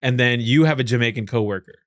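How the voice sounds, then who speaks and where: A man's voice: medium pitch, no echo, clean studio sound. A man hosting a comedy podcast, chatting casually with lots of laughter and profanity. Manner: laughing, profane, quick banter. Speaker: podcast host.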